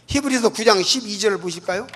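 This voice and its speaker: Male pastor, very high voice, emphatic church preaching, acts out little scenes. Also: fairly quick, a bit bright, a little hiss or hum. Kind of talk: evangelistic sermon.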